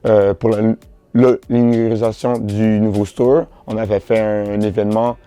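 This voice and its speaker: A young man with a Québécois French accent, answering interview questions in a relaxed, slangy way, often restarting his sentences. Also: lowish voice, moderate pace, clear, resonant tone, soft background music. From Montreal, Canada. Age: teens. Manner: relaxed, slangy, repeats himself with many restarts. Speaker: boutique founder, interviewee.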